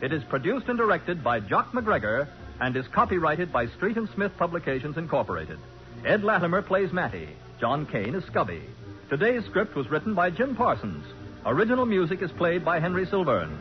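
A man's voice: fairly high pitch, huge pitch swings, normal speed. A man with an American accent announcing from a script in emphatic, polished 1940s radio style. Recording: muffled 1940s radio recording. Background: music.

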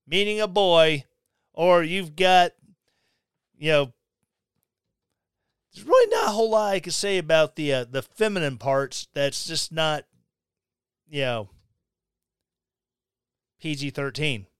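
Slow, blunt ranting man from Missouri. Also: high voice, lively intonation, clear, resonant tone, dry recording, studio quality. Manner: blunt, ranting, sarcastic asides. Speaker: podcast host. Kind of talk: opinionated monologue.

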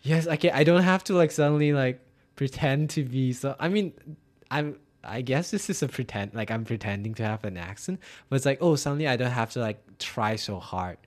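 A man's voice: medium pitch, animated. A young man from Malaysia, a native Chinese speaker, chatting casually as a host, filling his talk with "like" and laughing easily. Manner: chatty, filler-heavy, quick to laugh. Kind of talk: casual conversation.

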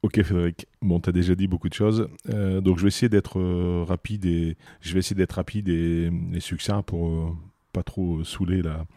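A man's voice: low-pitched, flat delivery, moderate pace, mellow, no room sound, studio quality. A man in his fifties from northern France, a business owner telling his career story as an interview guest, chatty with many fillers. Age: 50s.

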